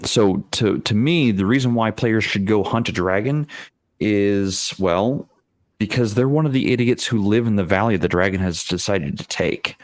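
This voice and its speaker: Low-voiced man explaining tabletop gaming. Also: no echo. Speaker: tabletop game master, panelist. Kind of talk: casual panel discussion of role-playing games.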